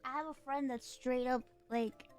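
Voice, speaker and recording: A woman's voice: high-pitched, moderate pace, clear, resonant tone, faint music behind. A young woman chatting casually, telling stories with dramatic exclamations and quoted dialogue. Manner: animated storytelling, dramatic exclamations. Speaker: streamer. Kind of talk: casual chat.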